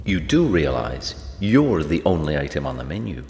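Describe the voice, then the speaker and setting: A thin, wry black cat from a storybook, as a man puts him on, speaking in a very deep, soft hiss that swoops up and down. The room is echoey, with a long reverb. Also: big pitch swings, moderate pace, exaggerated voice.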